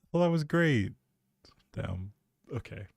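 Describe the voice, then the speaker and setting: A man's voice: medium pitch, expressive, measured pace, vocal fry, darkish tone, no echo. A man chatting casually as a live streamer, rambling in a playful, self-deprecating way into a close microphone.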